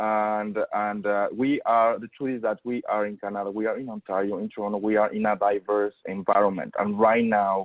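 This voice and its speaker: Speaking at a moderate pace with hardly any pauses, a man with a non-native accent uses a fairly low pitch and fairly even intonation. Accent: noticeable non-native. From Mexico. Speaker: HR consultant. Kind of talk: webinar presentation. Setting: online webinar.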